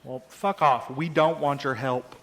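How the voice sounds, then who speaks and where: A man's voice: mid-range voice, steady tone, a little slow, a bit bright. A man playing a blunt, exasperated young courier in an audio drama, combative in manner. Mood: hostile.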